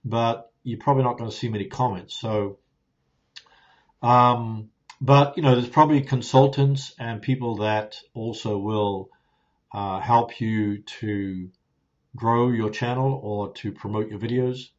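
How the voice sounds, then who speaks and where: A man chats loosely through viewer questions, restarting sentences and filling gaps with ums. His voice sits mid-pitch, picked up by a clip-on mic on a phone. The sound is a little dull and lo-fi. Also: unhurried. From New Zealand. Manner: relaxed, rambling, many fillers and restarts. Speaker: YouTuber answering viewer questions. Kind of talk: casual live Q&A. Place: home studio with ring light, softboxes and plants. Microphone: phone with clip-on lapel mic.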